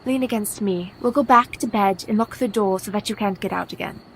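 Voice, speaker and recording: An actress playing a caring, composed young woman who speaks in steady, formal period English in a radio play. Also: medium pitch, brisk, slight background noise, close to an everyday voice, rough recording. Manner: steady, reassuring, formal speech.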